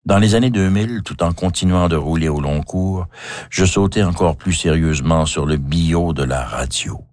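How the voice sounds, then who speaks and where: Wry older Québécois man, deep voice. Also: darkish tone, no echo. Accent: Québécois French. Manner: wry, measured, self-mocking. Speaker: author narrating his own life. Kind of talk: scripted memoir narration.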